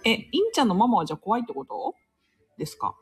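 A woman's voice: a little high, big pitch swings, quick pace, gravelly, husky, faint music behind. A woman hosting a casual live stream, chatting, laughing often and reading listener comments aloud.

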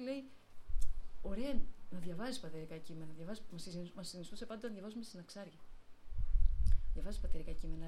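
A woman's voice: medium pitch, darkish tone, slight background noise, low-quality recording. A middle-aged woman, an abbess, giving a spoken talk on faith through spontaneous personal anecdotes, voicing the people in her stories. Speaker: abbess of a convent, guest speaker.

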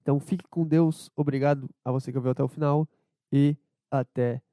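A man with a southern Brazilian accent rambling casually as a solo podcast host, low-energy and irreverent, hungover and under the weather with a cold. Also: steady tone, fairly quick, dark tone, dry recording, studio quality. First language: Portuguese. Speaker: podcast host and amateur comedian.

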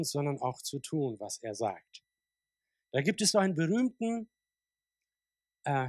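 A man's voice: medium pitch, no echo, clean studio sound. A man in his forties, a pastor born in Kazakhstan, preaching a sermon in a conversational way with frequent fillers and restarts. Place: church service.

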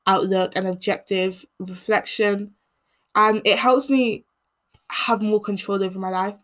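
Croaky young woman, earnest reflective monologue. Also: mid-range voice. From England. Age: teens. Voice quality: croaky voice when speaking long. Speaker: podcast host.

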